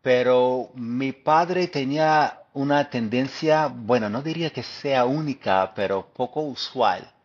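A man from Detroit with an American English accent, a guest speaking Spanish as a second language, pausing and restarting often as he recounts. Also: mid-range voice, highs cut off. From Detroit, United States. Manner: thoughtful, halting, many fillers and restarts. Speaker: guest historian. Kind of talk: interview conversation.

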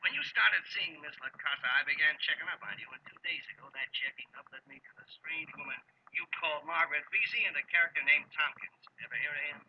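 An actor playing a gloating, mock-polite nightclub owner turned blackmailer, in 1940s radio style. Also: male voice, on the high side, quick pace, few pauses, lightly acted. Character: smug male nightclub-owning blackmailer, coolly menacing. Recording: muffled, noisy old radio recording.

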